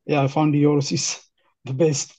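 A young man with an Ethiopian accent talking casually and haltingly about himself, often repeating his words. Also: a little high, flat delivery, dark tone. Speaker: career guidance client, refugee newcomer. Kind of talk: casual conversation, introducing himself. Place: remote online call. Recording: muffled lo-fi online call.

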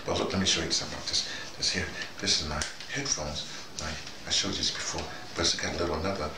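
A middle-aged man in a casual, rambling show-and-tell, talking to camera in a folksy, colloquial way and often pausing mid-thought. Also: extremely low pitch, fairly even intonation. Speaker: vlogger. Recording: echoey, distant mic, loud background noise.

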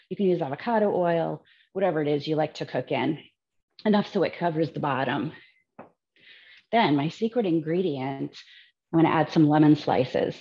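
A woman with a notably low voice walks through a recipe at her kitchen stove, chatting casually as she works. The recording sounds a little dull and lo-fi. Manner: relaxed, chatty, explains as she cooks. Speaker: cookbook author demonstrating a recipe. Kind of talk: casual cooking demonstration.

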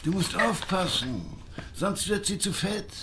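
A man's voice: sits high, animated, a little slow. A man playing a grumbling elderly husband and grandfather in an audio drama. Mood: teasing, muttering. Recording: clear background ambience noise.

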